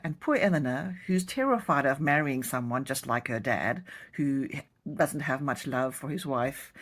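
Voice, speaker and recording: A woman with a South African accent talks straight to camera about her new novel. Her voice sits low and a little husky. She tells the story in a chatty, storytelling way. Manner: chatty, warm storytelling of a plot summary. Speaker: romance author.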